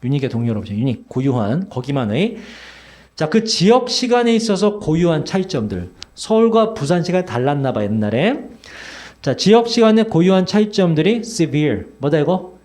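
Male teacher, 40s, classroom lecturer; chatty, teasing, talks straight to students; slightly high, very animated pitch. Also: moderate pace. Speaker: English teacher.

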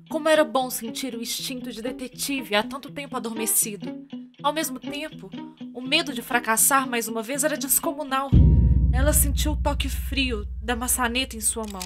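Brazilian woman narrating a radio drama. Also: a little high. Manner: theatrical, with deliberate dramatic pauses.

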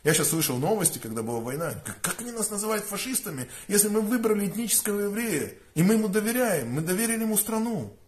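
Emphatic rabbi talking to the camera. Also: male voice, high voice, sing-song, quick pace, few pauses. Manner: conversational, emphatic, frequent rhetorical "da?". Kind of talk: informal lecture to camera. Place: room indoors with curtains.

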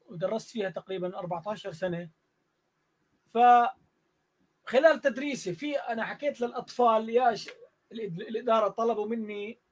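A man with a Jordanian accent, a music teacher telling a story in a casual online interview and acting out the dialogue. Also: very high-pitched. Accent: Jordanian Arabic. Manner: animated, acts out dialogue in the story.

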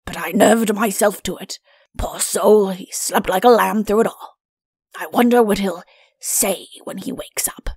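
Sly storybook royal, played by a woman: self-satisfied, mischievous, mock-tender, with some fry in the voice. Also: medium pitch, fairly even intonation, measured pace, a little mellow, no room sound. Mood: smug, mock-pitying.

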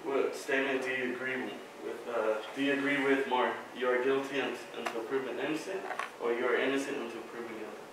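A student in an echoey lecture hall questions mock jurors in a classroom role-play, hesitant and leaning heavily on fillers. His voice is medium-pitched and steady, and he talks fast. The recording is noisy, captured from far off by a distant camera.

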